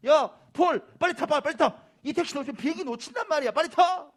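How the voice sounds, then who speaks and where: A man doing hurried colleagues shouting from a taxi. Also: extremely high pitch, pitched above the performer's own voice. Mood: urgent. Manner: urgent, shouting.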